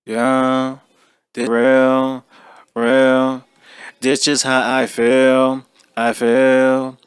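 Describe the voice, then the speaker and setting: A man singing a slow recorded vocal, run through auto-tune. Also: medium pitch, completely flat delivery, clean tone, dry recording, studio quality. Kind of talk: played-back sung vocal recording.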